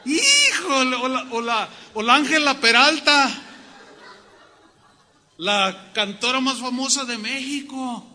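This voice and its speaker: A man with a Mexican accent preaching a sermon to his congregation, telling stories in a humorous, animated way. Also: very high voice, takes it slowly, long reverb tail. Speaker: pastor. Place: church hall.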